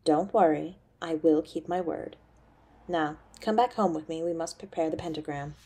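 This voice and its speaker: A woman playing a haughty, cold succubus mother in an audio drama, speaking formally and with disdain in a husky, creaky voice. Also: sits low, moderate pace, mellow. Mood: stern. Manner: imperious, formal, disdainful of mortals. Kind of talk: audio roleplay drama acting.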